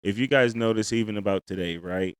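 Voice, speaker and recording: A man's voice: lowish voice, fairly quick, clear, resonant tone, no echo, studio quality. A man with an African American accent talking casually and emphatically on a podcast as a comedian guest, using plenty of slang.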